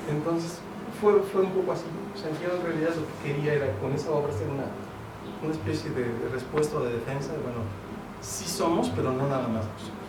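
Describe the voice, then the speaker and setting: A Mexican playwright talking casually about his work at a public event, relaxed and conversational, with plenty of fillers and slang. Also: a little high, fast. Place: event hall. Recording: roomy, distant mic with noisy ambience.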